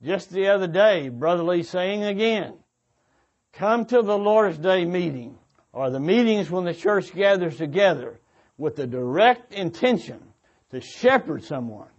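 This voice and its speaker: Higher-voiced man preaching earnestly. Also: animated, unhurried, muffled recording. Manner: earnest, exhorting. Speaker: church speaker. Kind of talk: sermon-like exhortation to a congregation. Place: church meeting before a congregation.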